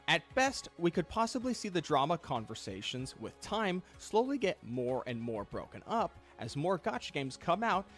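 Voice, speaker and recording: A man reading a scripted video essay, measured and reflective, critical in tone. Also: on the high side, a bit bright. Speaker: commentary channel host.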